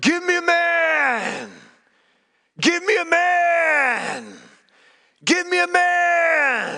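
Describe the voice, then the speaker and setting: A put-on character voice, extremely high-pitched and very slow, with long, frequent pauses. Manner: shouting a challenge.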